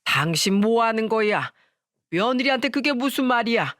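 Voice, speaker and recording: A woman's voice: on the high side, animated, moderate pace, fairly bright tone, no echo. An older father-in-law steps in with a reproving, steadying voice, as a woman reader puts him on. The sound is dry and close.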